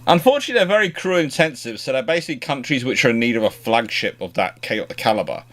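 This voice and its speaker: A man's voice: mid-range voice, lively intonation, fast, fairly bright tone. A man hosting a casual question-and-answer chat, thinking aloud in a conversational, wry way. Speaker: host of naval history question show.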